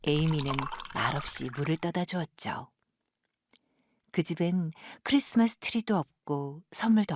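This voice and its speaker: A woman narrating an audio drama like a storyteller, gentle and measured, with breathy sentence endings. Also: sits low, dry recording. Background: music.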